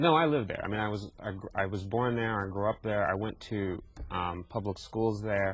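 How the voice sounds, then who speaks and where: With an American accent, this man has a fairly low pitch and an unremarkable speaking voice, speaking at a moderate pace with ordinary pitch variation. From Iraq and US. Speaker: filmmaker. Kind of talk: interview.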